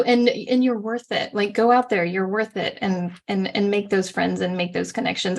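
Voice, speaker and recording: A woman of forty hosting a live online conversation. Her voice sits at a middle pitch, and she talks in a chatty, looping way with lots of agreement. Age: 40s. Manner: chatty, with many fillers and restarts, warmly agreeing. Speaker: host.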